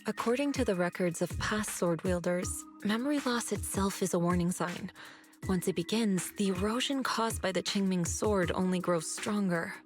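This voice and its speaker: An actress playing a grave woman martial arts master in a video game, speaking in a solemn, measured way. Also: medium pitch, lightly acted. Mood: grave, foreboding. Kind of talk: scripted game voice acting. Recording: game audio with music, played in stream.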